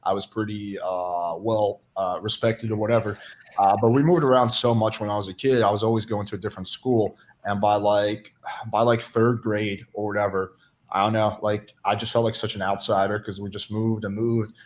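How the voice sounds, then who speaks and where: A man's voice: lowish voice, fairly even intonation, moderate pace. Candid, self-deprecating young man. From Russia. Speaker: podcast guest. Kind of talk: casual chat.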